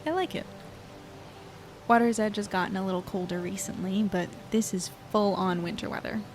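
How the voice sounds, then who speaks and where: A woman's voice: medium pitch, steady tone, moderate pace, a little hiss or hum, close to an everyday voice. A woman playing a thoughtful, easygoing young woman in a naturalistic audio drama, speaking in a reflective way.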